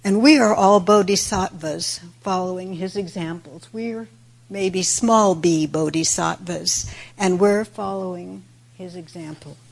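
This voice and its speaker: A woman with a raspy voice, a little worn today, giving a reflective Buddhist dharma talk in measured, deliberate phrases. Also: lowish voice. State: raspy voice today with throat clearing. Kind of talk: sermon, reflective religious talk.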